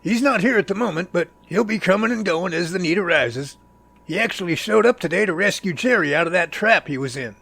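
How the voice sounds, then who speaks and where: A man playing a folksy, excitable professor who leads a search team in an amateur audio drama, with theatrical, old-fashioned phrasing. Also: high-pitched, fairly quick, vocal fry, full character voice. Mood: friendly, explaining.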